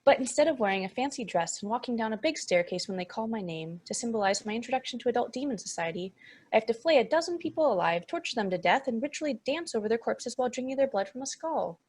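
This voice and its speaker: A timid young demon from hell, acted by a woman, speaks in a fairly high, husky voice. The demon is hesitant, polite and apologetic, an insecure teen in a comedy script read. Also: expressive, fast talker, a little mellow. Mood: stressed, glum.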